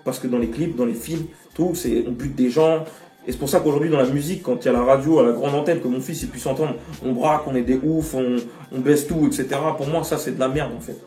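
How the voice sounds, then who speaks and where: This is a rapper from French Guiana being interviewed, pushing his blunt opinions with passion and force. His medium-pitched voice is warm and steady, and he talks quickly. Sound is echoey and distant, with music faintly behind him.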